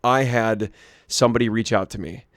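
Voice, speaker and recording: Hoarse young man telling a rambling story. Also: fairly low pitch, moderate pace, dry recording, studio quality. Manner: rambling, with frequent restarts and asides. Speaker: vlogger. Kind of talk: casual storytelling to camera.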